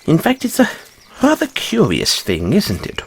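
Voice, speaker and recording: A man's voice: on the high side, wildly swooping pitch, unhurried, vocal fry, husky, full character voice. A man voicing a curious, fussy white rabbit boy in a fantasy audio roleplay, musing theatrically with quaint, questioning phrasing. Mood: musing, inquisitive.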